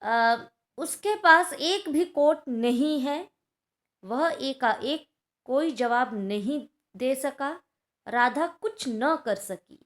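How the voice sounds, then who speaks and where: A woman's voice: high voice, animated, drawn-out words. A woman teaching a Hindi grammar lesson to schoolchildren, explaining patiently and checking in often with her class.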